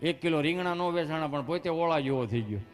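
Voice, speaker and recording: A man telling folk comic stories, chatty and animated, switching quickly between characters. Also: on the high side, faint music behind. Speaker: comedian, storyteller.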